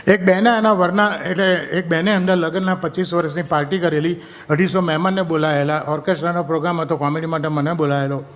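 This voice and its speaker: Man, stand-up comedian, high voice, animated storytelling, acts out characters. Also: quick pace. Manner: animated, acts out characters and sings snatches of songs.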